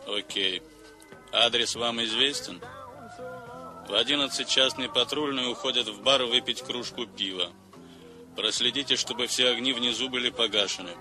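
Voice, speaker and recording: An actor playing a cold-blooded criminal boss who gives murder orders in a calm, measured, businesslike way, in a 1970s radio play. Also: male voice, mid-range voice, natural voice. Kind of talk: 1970s radio drama acting. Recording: old radio play with music behind.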